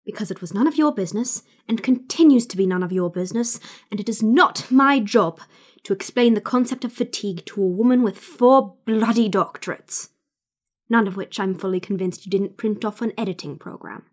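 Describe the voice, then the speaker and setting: A woman's voice: mid-range voice, a little fast, natural voice. An actress playing a prickly, guarded reclusive woman novelist in an audio drama, speaking formally and precisely. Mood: icy, irritated. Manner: formal, clipped, sardonic, precise.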